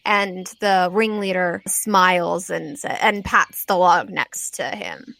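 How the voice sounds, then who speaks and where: A woman improvising scene narration as game master, in a halting, conversational way full of "like". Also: lowish voice, vocal fry, bright, forceful tone, dry recording.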